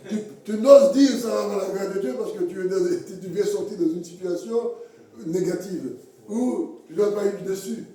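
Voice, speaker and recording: A man preaching a sermon in a halting way, repeating words and acting out little everyday scenes. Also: high-pitched, dark tone. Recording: echoey hall from far off.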